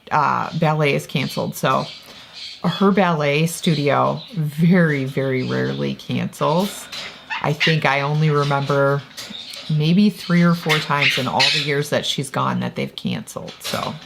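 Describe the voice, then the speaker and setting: With a low, gravelly voice, a woman chats casually to the camera in her home for her vlog. She's a homeschooling mother who rambles and corrects herself, and a little hiss or hum can be heard.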